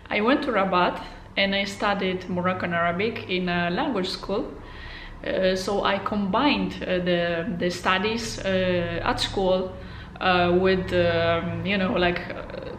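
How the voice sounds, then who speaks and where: A woman's voice: fairly low pitch, fairly bright tone, a little hiss or hum. A woman in her thirties from Poland, a native Polish speaker, chatting to camera as a vlog host with lots of fillers. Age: 30s. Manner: friendly, chatty, many fillers. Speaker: channel host. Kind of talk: casual to-camera vlog talk. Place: room at home. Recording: roomy echo.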